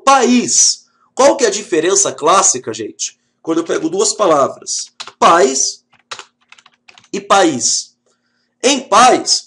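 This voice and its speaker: A Brazilian male teacher with a notably high voice gives a lively video lesson. He jokes with the class and checks in with them as he explains. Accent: Brazilian Portuguese. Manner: lively, joking, talks straight to the class.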